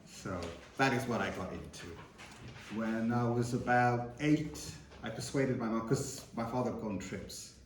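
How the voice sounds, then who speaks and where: Low-voiced man from Zimbabwe, distant in an echoey hall. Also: darkish tone, slight background noise. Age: 40s. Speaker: panelist, author. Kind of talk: panel talk at a book festival. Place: event hall.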